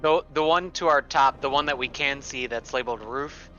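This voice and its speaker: Bright male gamer on lo-fi mic. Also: mid-range voice, normal speed. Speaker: roleplaying game player. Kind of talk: casual game chat. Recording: dull lo-fi microphone, music underneath. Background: background music.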